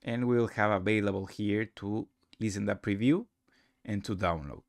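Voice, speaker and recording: A man presents a software walkthrough in a low, gravelly voice. His English is non-native and halting, with a casual delivery. The sound is close and dry. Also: steady tone, dry recording. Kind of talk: casual screen-recorded tutorial narration.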